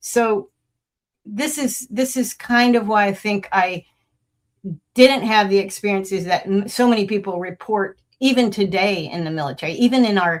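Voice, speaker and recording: This woman's voice sits at a medium pitch and moves with ordinary pitch variation. It is an unremarkable speaking voice. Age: 60s. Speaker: military veteran guest. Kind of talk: casual talk radio discussion.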